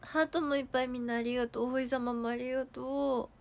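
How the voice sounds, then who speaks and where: A woman's voice: high-pitched, little pitch movement, fast talker, vocal fry. A young woman with a Kansai accent chatting on a livestream, reading viewer comments aloud and thanking them, with a cough and a sore throat. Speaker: idol livestreamer. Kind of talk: casual livestream chat.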